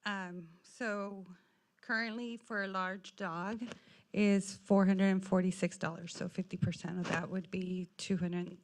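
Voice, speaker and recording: A woman's voice: mid-range voice, level tone, unhurried. A woman on city staff reporting figures at a public meeting.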